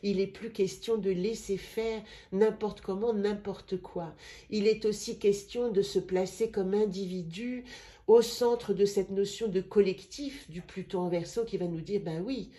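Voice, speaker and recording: A middle-aged woman with a head cold, reading oracle cards and talking gently and meanderingly, with pauses and fillers. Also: mid-range voice, steady tone. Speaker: card reader and astrologer. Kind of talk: spiritual card-reading video.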